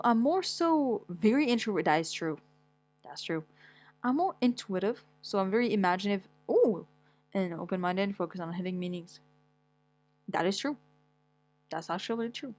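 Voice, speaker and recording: A woman's voice: mid-range voice, darkish tone, dry recording. A young woman from Morocco chatting casually as a vlogger, rambling and blunt, swearing often as she reads things aloud and reacts to them. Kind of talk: casual chat, reading aloud.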